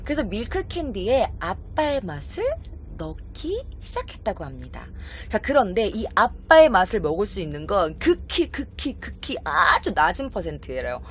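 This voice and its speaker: A woman casually telling an urban legend to her viewers, chatty and animated, briefly acting out the quoted voices. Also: medium pitch, moderate pace. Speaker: YouTube storyteller. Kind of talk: casual spooky storytelling.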